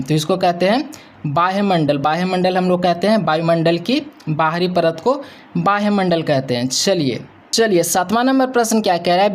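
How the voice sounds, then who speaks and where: Young man teaching, medium-high voice. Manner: repetitive, emphatic explaining. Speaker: exam coaching teacher. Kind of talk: teaching through practice questions and answers.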